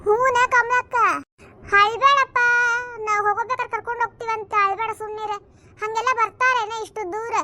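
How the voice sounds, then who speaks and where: A woman voicing gossipy village women in a cartoon comedy, trading quick scolding banter in a North Karnataka accent. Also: extremely high pitch, fairly even intonation, background noise. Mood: bickering. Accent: North Karnataka Kannada.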